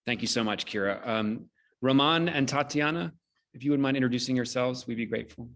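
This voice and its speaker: A middle-aged man hosting a live online discussion, speaking in a measured, earnest way. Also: mid-range voice, a bit bright. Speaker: host. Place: video call.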